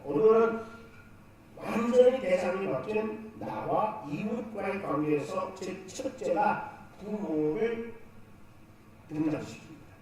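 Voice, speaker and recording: A man's voice: sits high, a little mellow. A man preaching a Sunday sermon as pastor, asking the congregation questions and answering them himself. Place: church sanctuary. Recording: echoey church hall, distant mic, faint noise.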